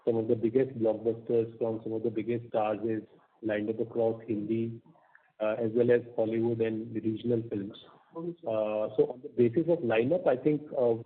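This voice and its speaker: A man with an Indian accent answers questions on an earnings call as a company executive, measured, formal and cautious, over a phone line. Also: mid-range voice. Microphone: conference call phone. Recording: husky-sounding narrowband conference phone line.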